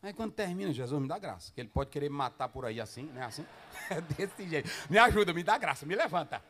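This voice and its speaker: A pastor preaching to pastors, swinging between loud shouted passages and low asides and firing rhetorical questions at the listeners. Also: male voice, expressive, fast talker, slight background noise. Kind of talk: Pentecostal-style preaching to pastors.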